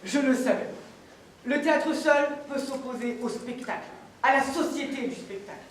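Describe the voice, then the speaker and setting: An actress playing a self-important poet-playwright, declaiming pompously and emphatically in a stage comedy. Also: female voice, sits high, moderate pace, close to an everyday voice. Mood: exalted. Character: grandiose, self-important poet-playwright preaching theater's glory. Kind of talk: live stage comedy acting. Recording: distant, very echoey theater recording, faint noise.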